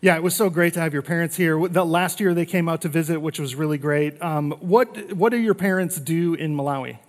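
A man's voice: on the high side, a little fast. A man serving as pastor, making announcements and interviewing a guest on stage in an upbeat, friendly way. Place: large church auditorium, on stage. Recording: reverberant church hall.

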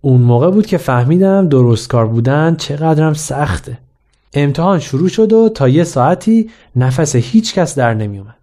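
A man's voice: on the high side, expressive, warm tone. A man narrating a humorous school memoir in a wry, self-mocking way. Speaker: storyteller.

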